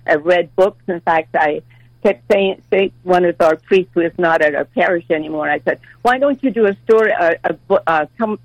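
A woman's voice: lowish voice, no echo, poor audio. A ninety-year-old woman calls in to a radio show. Her talk halts and circles back over the same words. The line is dry and close, with no room around her. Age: 90s. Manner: halting, repeats words, chuckles often. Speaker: caller. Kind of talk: phone-in chat.

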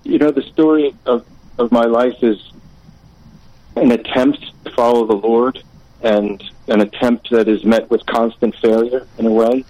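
A man from the United States calling in to a radio show, speaking in a reflective, measured way. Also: mid-range voice, steady tone, mellow, no room sound, poor audio. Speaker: radio caller. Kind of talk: phone-in conversation.

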